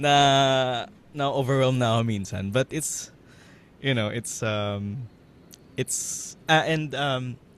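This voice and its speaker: A man speaks at a very slow pace, his medium-pitched voice moving with ordinary pitch variation. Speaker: event host, voice actor. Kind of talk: closing remarks at online talk event. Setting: online event from home balcony. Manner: halting, many fillers.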